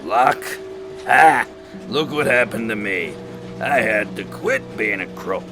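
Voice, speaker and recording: A man playing a bitter, sardonic dead former crook in a radio drama, with a gravelly voice. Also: fairly low pitch, animated, slow. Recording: music bed behind.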